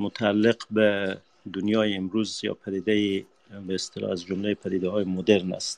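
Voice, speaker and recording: The sound is dry and close, with no echo. A man speaks at a moderate pace in a flat, monotone intonation. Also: fairly low pitch for a man. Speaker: university lecturer. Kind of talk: panel discussion. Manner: formal.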